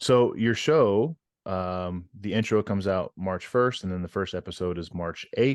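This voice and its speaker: Fairly low-pitched, a man talks at a fairly slow pace with ordinary pitch variation, in a plain, everyday voice. The sound is dry and close with no echo, against a quiet background. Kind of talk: casual podcast conversation.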